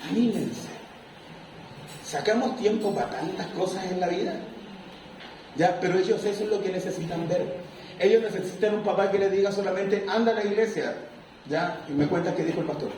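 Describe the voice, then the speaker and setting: A man preaching a sermon as pastor, lively and animated, acting out little scenes. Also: high-pitched, normal speed, a little hiss or hum. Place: church. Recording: echoey room, mic far off.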